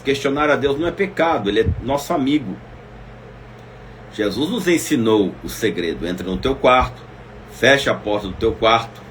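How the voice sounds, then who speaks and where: A man's voice: fairly low pitch, a little hiss or hum. Emotive preacher man. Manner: emotive, swings between loud exclamations and soft asides; speaks directly to listeners as "minha irmã". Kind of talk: devotional Bible teaching.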